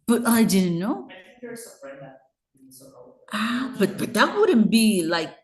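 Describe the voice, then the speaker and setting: A woman's voice: mid-range voice, very animated, slow pace. A woman with a Mexican Spanish accent teaching an English grammar class, explaining patiently and switching between Spanish and English. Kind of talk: bilingual grammar lesson.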